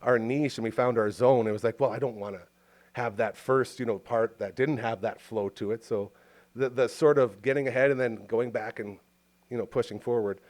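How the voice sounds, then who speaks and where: Rambling enthusiastic Canadian host. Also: male voice, medium pitch, steady tone, normal speed, a little mellow. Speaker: podcast host. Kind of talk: casual interview chat. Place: home recording studio booth.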